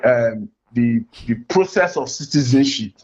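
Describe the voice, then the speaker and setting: A man's voice: mid-range voice, expressive, unhurried, a little mellow. A Nigerian man with a Nigerian accent arguing insistently in a heated religious debate, repeating phrases as he presses his point. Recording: dull lo-fi audio.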